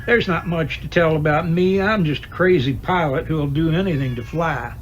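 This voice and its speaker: A man as a high-voiced, breezy daredevil pilot. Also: moderate pace, highs cut off, faint music behind, natural voice. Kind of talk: amateur radio drama acting.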